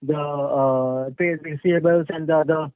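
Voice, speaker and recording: A dry, narrow phone line carries a clearly high-pitched man. He is an investor putting questions on a call, hesitant and wordy as he builds each question. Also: fairly even intonation, unhurried, no echo. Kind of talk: spontaneous earnings call questioning.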